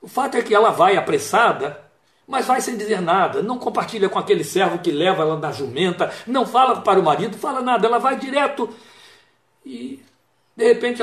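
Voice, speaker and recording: Male preacher, high voice, storytelling sermon with quoted dialogue, echoey room. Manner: retells a Bible story with quoted dialogue and reflective asides.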